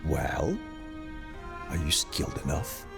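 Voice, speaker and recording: A man's voice: very deep voice, wildly swooping pitch, creaky, music in the background, exaggerated voice. An actor playing a patient, older exiled physician in a video game, musing and teasing as he sets challenges. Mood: pleased, teasing. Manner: slow, musing, teasing, dramatically swooping delivery.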